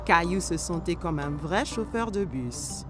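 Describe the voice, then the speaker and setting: A woman's voice: lowish voice, expressive, a little slow, faint music behind. A woman reads scripted children's story narration for a cartoon.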